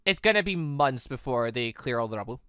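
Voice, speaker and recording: Weary soldier woman in a game, read out by a man; low, flat, dry delivery. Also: a little fast, clear, resonant tone, no echo. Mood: grim.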